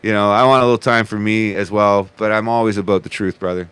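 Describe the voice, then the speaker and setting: A man in his forties talks in a casual podcast chat, rambling and swearing as he restarts his sentences. His voice is smooth and resonant and sits on the low side. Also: fairly even intonation, fast talker, fairly bright tone. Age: 40s. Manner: rambling with many restarts and profanity. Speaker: podcast guest.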